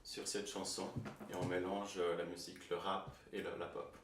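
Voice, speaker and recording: A deep-voiced man from Geneva, speaking as a musician in an interview. He talks calmly and steadily, pausing on fillers. He sounds a bit off-mic in an echoey room. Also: recorded from a distance. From Geneva, Switzerland. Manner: calm, measured, with fillers. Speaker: musician, guest. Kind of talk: interview answers. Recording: roomy, off-mic, light hiss.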